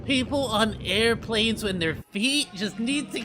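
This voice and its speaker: A man streaming live, reacting to videos with loud laughs and excited outbursts. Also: high-pitched, measured pace, background noise.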